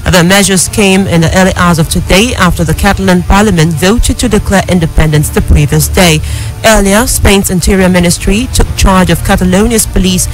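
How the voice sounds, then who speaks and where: A woman with a Nigerian accent reads scripted radio news as an anchor, in a formal, measured way. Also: fairly low pitch, fairly even intonation, faint music behind, poor audio. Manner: formal, measured newsreader delivery.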